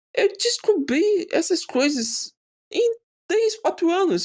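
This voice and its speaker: Very wide pitch swings in a Brazilian accent. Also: man. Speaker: YouTuber and amateur voice dubber. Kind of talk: casual monologue vlog. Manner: halting.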